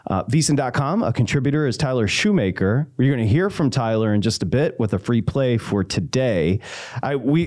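A man hosting a sports betting radio show, chatty and telling stories with quick asides. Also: mid-range voice, a little mellow.

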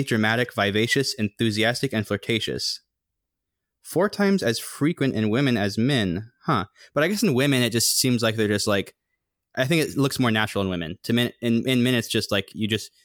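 A young man co-hosting a podcast, rambling casually with a slightly monotone, humming voice. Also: no echo, studio quality. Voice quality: somewhat monotone, humming low resonance. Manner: rambling, thinks aloud with many fillers. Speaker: podcast co-host. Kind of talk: casual chat.

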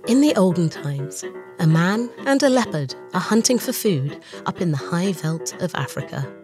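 A woman host, croaky from a chest infection, narrating a scripted science podcast with a storytelling manner. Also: on the low side, normal speed, over music. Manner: storytelling, lively emphasis on lists.

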